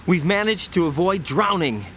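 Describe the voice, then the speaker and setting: An actor playing a dutiful young rookie agent in a video game, calm, earnest and to the point. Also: male voice, high-pitched, moderate pace, a little hiss or hum. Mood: earnest, concerned.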